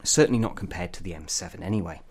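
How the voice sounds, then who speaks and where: A man's voice: deep voice, rapid-fire, breathy edge. A man giving an opinionated gadget review as a tech reviewer, putting emphatic stress on key words.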